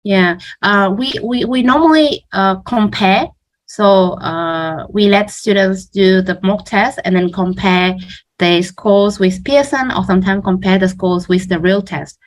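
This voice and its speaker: A woman teacher explaining informally in a question-and-answer talk, halting and often repeating words. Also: mid-range voice. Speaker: exam prep teacher, interview guest.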